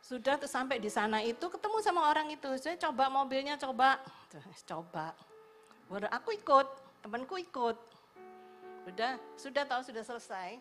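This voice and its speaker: A woman evangelist giving a sermon testimony, telling her story in a lively way and acting out the people in it. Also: sits high. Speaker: evangelist preacher. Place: church service.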